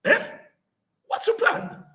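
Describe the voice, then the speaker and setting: A middle-aged man giving an impassioned political address, repeating phrases and rising into shouts. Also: slow pace. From Guyana. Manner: fiery, declamatory, repeats phrases for emphasis, breaks into shouts. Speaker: podcast host and political speaker.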